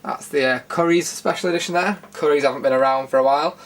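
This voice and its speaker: A man's voice: fairly high pitch, fast. A British man hosting a retro gaming show, casually narrating a room tour in an informal, rambling, enthusiastic way.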